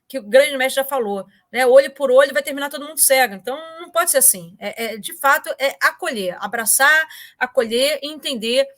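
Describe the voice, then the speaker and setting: A woman tells a story as an interview guest. Her voice sits high and sounds bright and sharp. She talks casually and animatedly, with many fillers and repeated words. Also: fairly quick. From Brazil.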